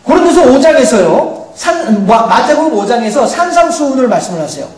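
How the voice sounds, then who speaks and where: A middle-aged man preaching a sermon as pastor, animated and chuckling often. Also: extremely high pitch, brisk. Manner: animated, acts out quoted voices, chuckles often. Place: church sanctuary. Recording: echoey church hall, distant mic.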